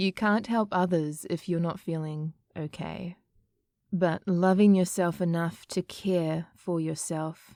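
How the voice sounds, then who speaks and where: Soft-spoken and very slow, this voice has a dark, mellow, gentle, soothing tone with a New Zealand accent. Intonation stays fairly even on a very clean recording with a silent background. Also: woman. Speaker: ASMR creator. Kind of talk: comforting ASMR monologue. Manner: gentle and soothing.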